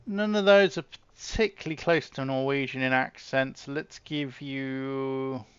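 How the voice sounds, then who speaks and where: Chatty male streamer, smooth clear voice. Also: mid-range voice, fairly even intonation, measured pace, no echo, highs cut off. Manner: chatty, talks to chat while customizing soldiers, trails off and restarts. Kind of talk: casual live-stream chat.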